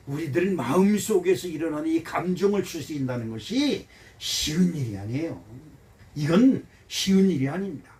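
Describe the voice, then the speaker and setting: A man in his seventies, a pastor giving a folksy, animated sermon and asking his congregation questions. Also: on the high side. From Korea. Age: 70s. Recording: voice heard from some distance.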